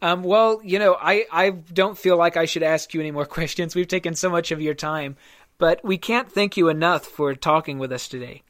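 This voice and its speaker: A man's voice: a little high, normal speed, fairly bright tone, no echo, studio quality. A man hosting a casual podcast interview in an easygoing, friendly way. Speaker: podcast host.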